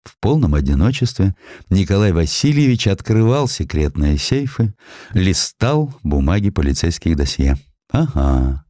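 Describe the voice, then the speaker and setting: A man narrating historical prose as an audiobook reader, in an expressive, theatrical storytelling manner. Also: sits low, unhurried, no room sound, clean studio sound.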